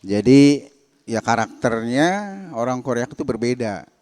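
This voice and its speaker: A middle-aged man, a village head answering as a talk show guest, halting and repeating his phrases. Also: medium pitch, a little mellow, dry recording, studio quality. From Kuningan, West Java. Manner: halting, repeats phrases, says "Pak" often.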